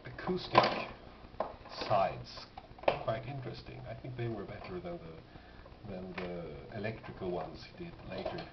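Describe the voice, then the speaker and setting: Male collector, casual halting presenter; dull sound with clear noise. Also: fairly low pitch, very animated. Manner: halting, pausing, thoughtful delivery. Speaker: record collector presenting finds. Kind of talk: casual unscripted show-and-tell. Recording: dull, noisy, echoey home recording.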